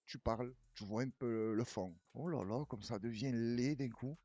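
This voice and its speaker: A man's voice: mid-range voice, moderate pace, warm tone, no echo. A man casually rambling through a reaction commentary, chatty and laughing often. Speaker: news commentary host.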